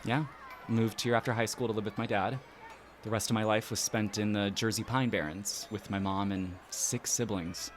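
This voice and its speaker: A man plays an easygoing young guy in an audio drama, friendly but a little hesitant. His voice is fairly low and natural, with clear outdoor ambience behind it. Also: steady tone, normal speed, slight background noise, close to an everyday voice. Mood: wistful, apologetic.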